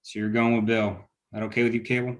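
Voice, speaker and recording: A man's voice: fairly low pitch, flat delivery, fast talker, natural voice. A man reading the part of a confident, decisive small-town leader in a drama, folksy and clipped. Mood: urgent, decisive. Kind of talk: screenplay table read.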